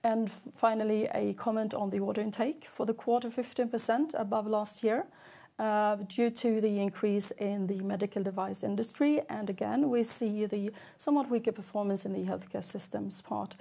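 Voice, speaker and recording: A woman chief financial officer presenting figures on an earnings call in a businesslike, measured way. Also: mid-range voice, fairly even intonation, creaky, dark tone.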